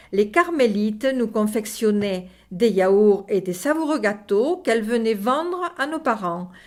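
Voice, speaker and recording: Through noticeable background noise, a woman with a fairly high pitch speaks at a fairly slow pace with lively intonation. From southwest France, Gers (Auch). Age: 60s. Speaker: elderly resident sharing memories. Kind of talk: reading aloud.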